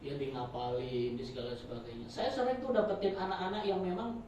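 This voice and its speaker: A man teaching a religious study circle in a chatty, joking sermon style, swinging between loud and soft. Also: sits high, steady tone, fairly quick, noisy background. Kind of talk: informal sermon. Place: prayer room. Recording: very echoey room, voice from far off.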